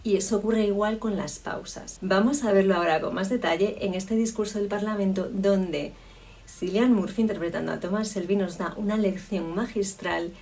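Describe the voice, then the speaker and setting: Creaky-voiced woman coaching speech. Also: mid-range voice, fairly even intonation, normal speed, darkish tone, distant mic. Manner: reflective, explanatory, with frequent restarts. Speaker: public speaking coach. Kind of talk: spoken lesson on communication.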